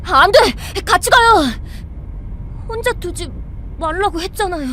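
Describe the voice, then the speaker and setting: Naive, high-voiced, animated young survivor. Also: female voice, unhurried, slight background noise, exaggerated voice. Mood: panicked, pleading. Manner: expressive, wide-eyed, hesitant exclamations. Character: naive, eager, sheltered young survivor, easily excited. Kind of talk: Korean audio drama acting.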